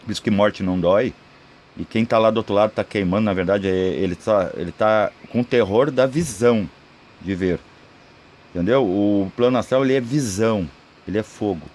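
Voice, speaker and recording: A man's voice: on the low side, normal speed, a little mellow. A man with a Brazilian accent giving informal esoteric teaching in a rambling, explanatory way, often adding checking tags. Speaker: spiritual video creator.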